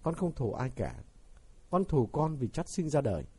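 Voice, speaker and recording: Brief: a man doing a weary, bitter young man, husky and mellow, storybook reading. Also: mid-range voice, huge pitch swings, moderate pace, voice pushed up, exaggerated voice. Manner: weary, quietly resigned. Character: sick, embittered young man, weary and cold.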